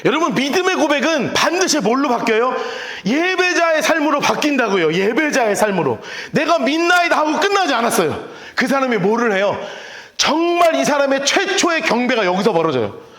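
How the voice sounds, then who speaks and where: A man with a very high voice preaches to his congregation in a lively, swooping delivery. He acts out scenes with voices and playful sound effects. The sound carries the echo of a church sanctuary. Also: brisk. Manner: animated storytelling with acted voices and sound effects. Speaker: pastor. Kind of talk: sermon.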